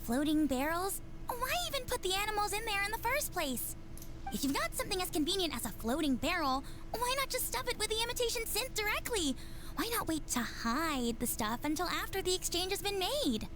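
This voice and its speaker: A woman voicing a small, chatty, girlish game companion who asks question after question. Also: very high-pitched. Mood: puzzled. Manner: quick, questioning, animated. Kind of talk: game voice acting.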